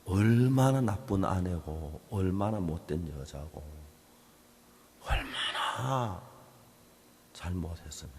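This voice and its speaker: A male pastor preaching at a Bible seminar, telling stories and acting out conversations, swinging from loud outbursts to soft whispers. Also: low voice, a little hiss or hum.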